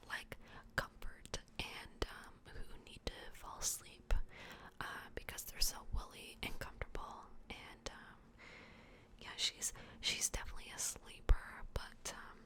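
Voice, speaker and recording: A woman doing a soft-spoken, whispered ASMR personal-attention roleplay as an adoption worker, gentle, hushed and reassuring. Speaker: ASMR roleplay host playing a plush toy adoption worker.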